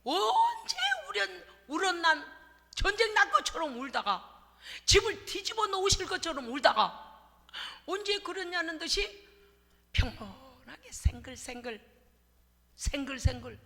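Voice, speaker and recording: Bright-voiced woman pastor preaching. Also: very high-pitched, normal speed. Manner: lively, humorous storytelling with acted-out asides. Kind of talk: sermon. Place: church sanctuary. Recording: reverberant church hall.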